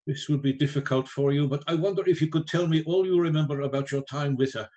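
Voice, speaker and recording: An actor playing a grave, learned vampire hunter, an elderly professor who speaks in measured, formal, theatrical phrases for a radio play. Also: male voice, fairly high pitch, a little mellow, natural voice. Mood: gentle, solemn. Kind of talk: theatrical radio drama acting.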